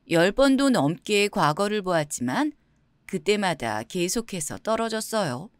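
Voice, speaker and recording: A woman narrating folk tales for children in an expressive, storytelling manner. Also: medium pitch, dry recording. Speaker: audiobook narrator.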